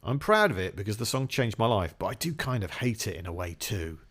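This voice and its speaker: A man's voice: fairly low pitch, very animated, a little fast, fairly bright tone, husky. A man co-hosting a podcast in casual chat, trading dry quips and trivia. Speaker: podcast co-host.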